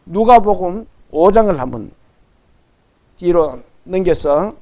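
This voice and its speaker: A man's voice: sits high, expressive, slow pace, mellow. A middle-aged man preaching a sermon as pastor, leading his congregation through Bible readings.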